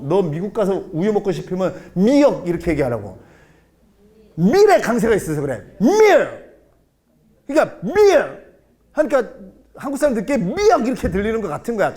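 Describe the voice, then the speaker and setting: Animated male lecturer, lively pitch. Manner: animated, jokey, acts out quotes and accents. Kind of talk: lively lifelong-learning lecture.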